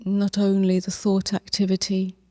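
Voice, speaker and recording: A woman leading a guided meditation as a teacher, gentle and unhurried, with long pauses and soft, breathy phrase endings. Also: medium pitch, completely flat delivery.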